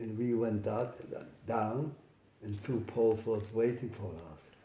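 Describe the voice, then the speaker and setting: A man talks at a fairly slow pace, and his voice is somewhat breathy. His intonation is fairly even, with big swings in loudness. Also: medium pitch for a man. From Poland. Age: 80s+. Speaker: Holocaust survivor. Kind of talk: interview answer. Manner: halting, hesitant.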